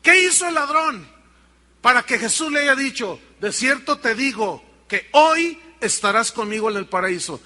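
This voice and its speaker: A man's voice: extremely high pitch, expressive, moderate pace, bright, forceful tone. A man preaching a sermon to his congregation, pressing them with rhetorical questions. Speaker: pastor. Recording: long reverb of a large hall.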